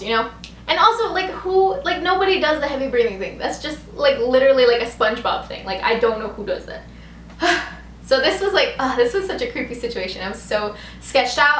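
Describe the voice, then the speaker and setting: Her pitch sits on the high side with a touch of brightness. She's a young vlogger spinning a loose, talkative story packed with "like," captured in an echoey space where background noise comes through.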